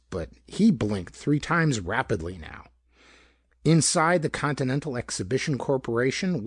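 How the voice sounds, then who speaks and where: A man narrates pulp detective fiction in a rough-edged voice. His pitch moves expressively as he tells the story with dramatic flair. The sound is dry, with hardly any room around it. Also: no echo. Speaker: audiobook narrator.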